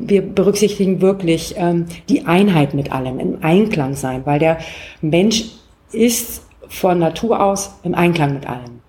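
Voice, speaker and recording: A woman's voice: lowish voice, warm tone. A woman, a qigong teacher, explaining her method as a guest in an interview, with many filler sounds. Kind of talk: interview over distance.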